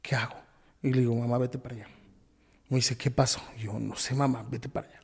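A man with a Mexican Spanish accent, a podcast guest telling a painful personal story, halting, with frequent restarts and repetitions. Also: medium pitch, little pitch movement, vocal fry, a little mellow, slightly rough, big-room sound.

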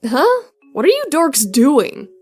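Woman as high, swooping sassy teen daughter. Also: very animated, slow, darkish tone, faint music behind, full character voice. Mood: exasperated.

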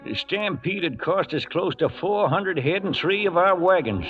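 An actor playing a folksy old trail hand, narrating a cattle drive in a drawling 1940s radio western style. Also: male voice, sits high, animated, normal speed. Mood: weary, foreboding. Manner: drawling, folksy cowboy talk. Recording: muffled old radio, loud music behind.

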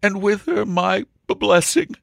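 A blustering baronet from a comic storybook, acted out by a man reading aloud. He exclaims with aristocratic indignation and effusion, his pitch swinging widely upward. The sound is dry. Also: wildly swooping pitch, slow, sharp tone, no room sound, exaggerated voice. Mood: moved, effusive. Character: blustering, red-faced old baronet, indignant then effusive.

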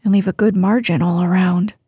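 A woman voicing a sturdy miner boy who answers gruffly and sulkily. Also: lowish voice, steady tone, fairly quick, mellow, no echo, studio quality. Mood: sulky. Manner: gruff, clipped replies.

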